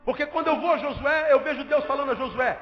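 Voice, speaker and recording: A man's voice: very high-pitched, fast. A Brazilian man preaching a sermon as pastor, emphatic and repetitive, firing rhetorical questions at the congregation. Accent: Brazilian Portuguese. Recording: dull lo-fi audio with faint music.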